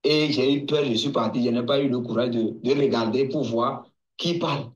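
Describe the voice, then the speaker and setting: A man from Togo giving a slow personal testimony. He hesitates, restarts and repeats words as he recalls events. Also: medium pitch, steady tone, muffled recording. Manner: hesitant, halting, with many restarts and repetitions.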